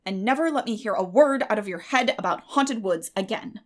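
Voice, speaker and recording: A woman voicing a stern, no-nonsense older female guardian in a dramatic audiobook, firm, brisk and scolding. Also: mid-range voice, lively intonation, lightly acted. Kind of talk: dramatic audiobook character acting.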